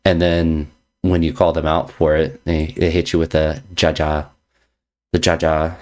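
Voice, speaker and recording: A man on a chess stream banters with his audience over their messages, teasing them and recycling jokey slang. His pitch is extremely low with little movement, and he speaks a little slowly.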